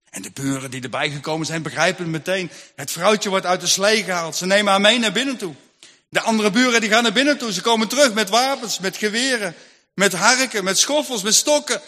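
A man telling a Christian story dramatically, often hushed and suspenseful, in a room with a long echo. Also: high voice. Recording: long hall reverb.

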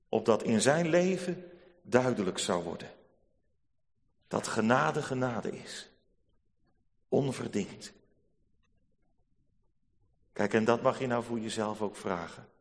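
A man preaching a sermon to his congregation, solemn and measured, rising to emphatic peaks. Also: medium pitch, expressive. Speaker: pastor. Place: church. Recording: long church reverb.

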